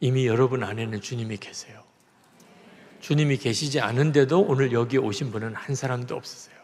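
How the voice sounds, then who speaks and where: A male pastor delivering a revival sermon as dramatic storytelling, swinging between loud and soft. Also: mid-range voice, a little fast. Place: large church sanctuary. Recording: echoey church hall reverb.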